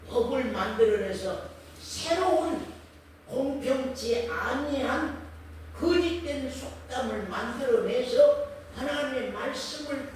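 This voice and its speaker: A man's voice: very high voice, slight background noise. A male pastor preaching to his congregation, repeating key phrases with emphasis and asking the listeners questions. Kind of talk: sermon to a congregation. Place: church sanctuary. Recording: echoey hall, mic far off.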